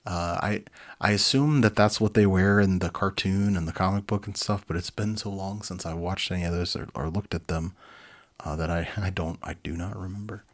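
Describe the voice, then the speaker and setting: A man's voice: deep voice, moderate pace. A man presenting and reading a children's storybook, with an easygoing, informal manner. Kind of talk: dramatic reading with casual asides.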